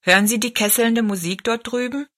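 Woman as eager male helper, polite, bright tone. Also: fairly high pitch, fairly quick, voice pushed up. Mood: helpful. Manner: polite and helpful. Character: helpful, polite male fairground servant.

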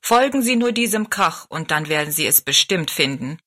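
A woman's voice: deep voice, expressive, normal speed, bright, forceful tone, exaggerated voice. A woman doing a polite fairground helper. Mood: helpful. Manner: polite and helpful. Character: helpful, polite male fairground servant.

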